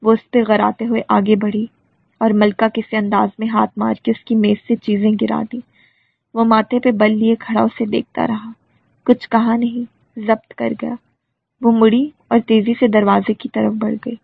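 A woman reads a novel aloud in an even storytelling manner. Her voice is husky and gravelly, sitting a bit high. The recording is dry and thin, like a phone line. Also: no echo. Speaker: audiobook narrator. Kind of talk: dramatic novel reading.

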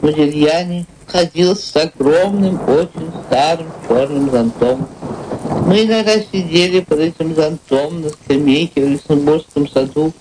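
An actor as a solemn male narrator recites literary memoir and verse in a radio play. His voice is fairly high for a man and moves slowly, with measured gravity. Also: a little mellow, slight background noise, close to an everyday voice, poor audio.

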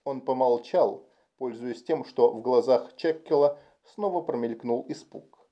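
A man narrating a science fiction audiobook in a calm, even storytelling manner. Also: mid-range voice, a little slow. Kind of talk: amateur audiobook reading. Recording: dull home recording.

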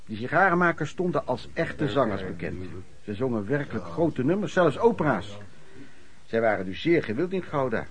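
A man's voice: medium pitch, big pitch swings, normal speed, natural voice. An actor playing an old man who chattily recalls his drinking and lodging days in a radio play, repeating himself for emphasis. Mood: fond, amused. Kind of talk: radio drama narration, reminiscing.

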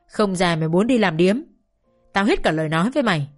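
A woman's voice: animated, a little fast, faint music behind, lightly acted. A woman reading an audiobook, voicing a furious middle-aged mother who screams abuse at her daughter. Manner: shrill, raging, abusive scolding.

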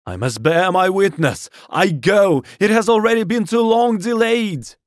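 A man narrating an audiobook, voicing a half-mad, fervent curate who declaims loudly like a wailing preacher. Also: high voice, unhurried, dry recording, studio quality, pitched above the performer's own voice. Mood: frenzied, defiant. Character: half-mad, fervent male curate crying doom and repentance. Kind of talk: audiobook character acting.

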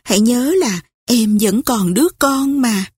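A woman voicing a gentle, patient young sister-in-law in a storybook reading, with a soft, soothing manner. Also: fairly high pitch, a little slow, breathy edge, no room sound.

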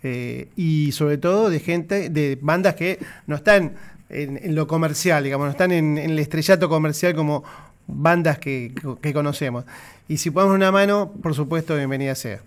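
A man's voice: fairly high pitch, moderate pace, clean tone. A man with an Argentine accent hosting a radio show, easygoing and friendly, thanking his guest. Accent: Argentine Spanish. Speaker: radio host. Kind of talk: casual interview chat.

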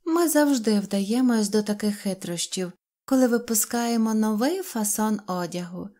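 A woman voicing a confident, brisk little fairy-tale girl who explains matter-of-factly. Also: mid-range voice, warm tone, natural voice. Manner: brisk, knowing.

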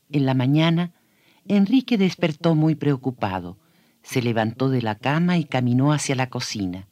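A man's voice: medium pitch, darkish tone, no echo. A man telling a story on a children's radio show, speaking expressively and addressing young listeners directly.

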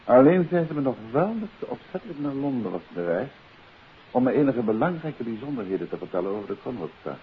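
Actor as composed detective, muffled old radio. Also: male voice, medium pitch, sing-song, fast talker, a little hiss or hum, natural voice. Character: shrewd male amateur detective, composed and probing. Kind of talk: 1950s Dutch radio play acting.

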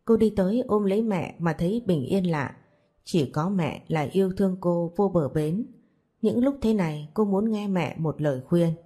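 Mellow low-voiced woman narrating a story. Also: moderate pace, husky.

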